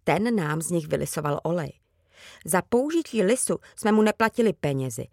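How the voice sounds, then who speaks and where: A woman reading a children's book aloud with calm, even storytelling. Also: fairly low pitch, dry recording, clean studio sound. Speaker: reader.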